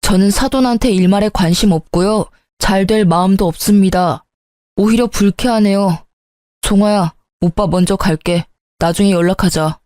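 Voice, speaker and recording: Woman doing a cold curt older brother, mellow low-key voice. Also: moderate pace, dry recording, clean studio sound, lightly acted. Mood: offended.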